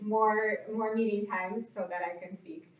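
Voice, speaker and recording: A woman club member answering interview questions in short, halting phrases. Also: mid-range voice, steady tone, slight background noise. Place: club meeting room. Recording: roomy, distant, dull sound.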